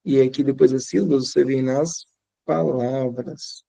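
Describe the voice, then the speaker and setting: Speaking with a Brazilian Portuguese accent, this man offers teaching advice to other teachers, chatting casually and repeating phrases to stress points. His mid-range voice is warm, steady, brisk and creaky, recorded without echo.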